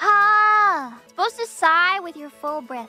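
Faint music plays in the background of this dry recording with no echo. A woman uses a raised, projected voice with lively intonation at a very slow pace. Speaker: VTuber streamer. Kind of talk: casual live-stream talk. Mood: playful, giggly. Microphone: studio mic.

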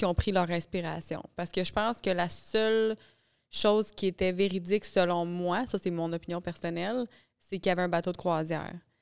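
A woman speaks moderately paced, her pitch varying in an ordinary way, over a quiet background. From Quebec. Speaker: former inmate; podcast guest. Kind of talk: casual interview. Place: studio. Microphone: studio mic.

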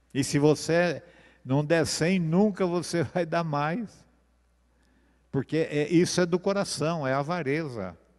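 Someone speaks at a very slow pace with ordinary pitch variation and long, frequent pauses, against a quiet background. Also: man, fairly high pitch for a man. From Brazil. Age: 80s+. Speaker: pastor. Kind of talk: sermon. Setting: church. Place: church. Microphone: handheld.

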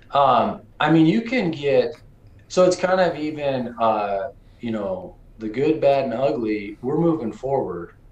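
Audible room echo surrounds a man speaking at a fairly slow pace. His fairly high voice makes very wide pitch swings. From Wyoming (Worland); Wyoming. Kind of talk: casual interview. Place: home room.

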